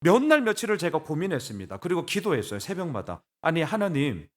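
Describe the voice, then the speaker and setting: A man preaching a Sunday sermon as pastor, animated and conversational, blunt and colloquial, asking his congregation rhetorical questions. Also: on the high side, quick pace. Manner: blunt, colloquial, laughing at times. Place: church sanctuary.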